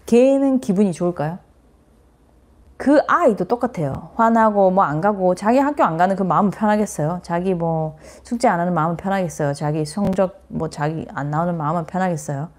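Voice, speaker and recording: A woman's voice: on the low side, brisk. A middle-aged woman psychiatrist giving a parenting lecture, speaking earnestly, acting out what parents and children say and mixing in English phrases.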